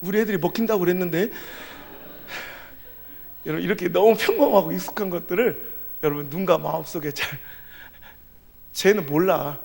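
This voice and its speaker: Male pastor, high gravelly voice, emotional sermon storytelling, in a reverberant church hall. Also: normal speed, pauses often. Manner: emotional storytelling, swinging from soft to loud. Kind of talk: revival sermon. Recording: echoey hall with long reverb.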